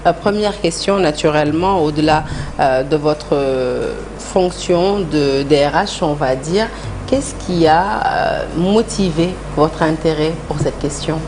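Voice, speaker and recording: Female TV interviewer, low register, hesitant phrasing, light background noise. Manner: hesitant, halting phrasing with repeated words. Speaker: TV news host interviewing a guest. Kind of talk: live studio interview. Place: TV studio.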